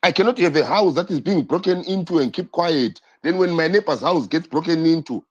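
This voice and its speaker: A man's voice: fairly high pitch, fairly quick, slightly rough. A man hosting a political live stream, talking with passion, repeating himself and firing rhetorical questions. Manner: impassioned, repetitive, rhetorical questions. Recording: dull lo-fi stream audio.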